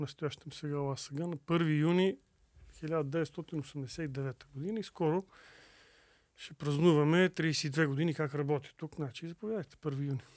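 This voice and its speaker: On a very clean recording with a silent background, a man has a plain, everyday voice at a fairly high pitch, speaking at a fairly slow pace with fairly even intonation. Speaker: geodesy professor and Antarctic expedition member. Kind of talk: interview.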